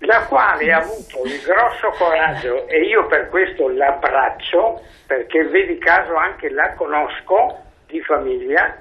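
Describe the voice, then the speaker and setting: A man calling in to a talk show over the phone, speaking slowly and earnestly. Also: a little high, expressive. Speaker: caller. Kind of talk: call-in comment on radio talk show. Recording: tinny phone line.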